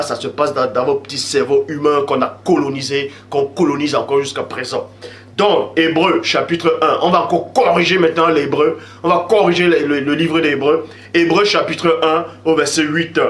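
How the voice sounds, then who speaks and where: A man preaching an insistent sermon, reading Bible verses slowly and repeating lines for emphasis. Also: on the high side, a bit bright, reverberant.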